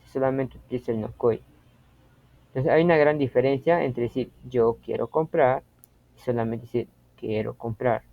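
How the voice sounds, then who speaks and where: A man teaching a language lesson, explaining slowly and patiently and repeating example phrases with care. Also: medium pitch, fairly even intonation, creaky, dry recording. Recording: dry, tinny phone-like audio.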